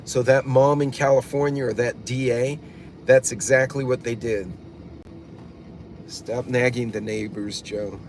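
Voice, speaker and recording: A man's voice: mid-range voice, fairly even intonation, unhurried, a little hiss or hum. A man hosting a prepper vlog in a car, talking bluntly and casually, with lots of fillers, restarts and swearing. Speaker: prepper channel host. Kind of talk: casual rambling vlog commentary. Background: classic rock music playing.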